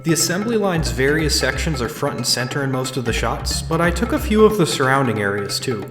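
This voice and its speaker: A man's voice: medium pitch, sing-song, a little fast, natural voice. Dry male-acted narrator over music, roomy sound. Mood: observant. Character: observant, wry male visitor narrating his own tour. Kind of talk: fan audio drama, first-person narration.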